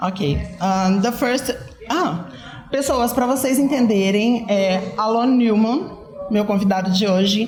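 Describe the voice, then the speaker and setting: A woman's fairly high voice at a very slow pace, very even in loudness, with ordinary pitch variation, audible room echo and music in the background. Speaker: YouTube channel host, interviewer. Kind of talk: casual video intro and interview. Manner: halting when speaking English.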